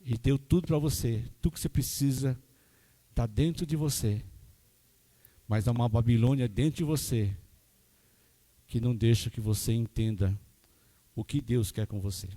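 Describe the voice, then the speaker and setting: A man's voice: mid-range voice, moderate pace, pauses often, warm tone. A man, preaching a sermon in a folksy way that keeps checking in with the congregation. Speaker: pastor.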